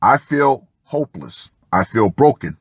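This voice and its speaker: A man reading a personal story aloud as a commentator, with a dramatic, drawn-out delivery and pauses. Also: medium pitch, sing-song, breathy edge, no room sound, clean studio sound. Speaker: host of a commentary channel.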